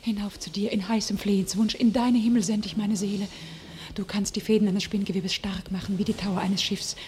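An actress playing a pious, fervent young captive warrior maiden in a classic radio play, declaiming solemnly. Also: female voice, medium pitch, little pitch movement, fairly quick, darkish tone, in a large hall, a little hiss or hum, lightly acted. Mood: imploring prayer.

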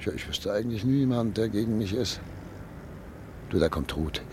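A man's voice: on the low side, expressive, moderate pace, a little mellow. An actor playing a thoughtful, anxious doctor and father of thirty-nine in a radio drama, speaking earnestly and articulately. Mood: uneasy. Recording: noisy old radio play recording.

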